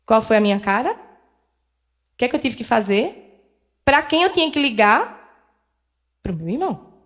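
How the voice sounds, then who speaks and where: A woman's voice: a little high, very animated, unhurried, a bit bright. A middle-aged woman, telling a personal story as a lecturer at a spiritist center, candid and self-deprecating, acting out dialogue with shifting voices. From Northeast Brazil.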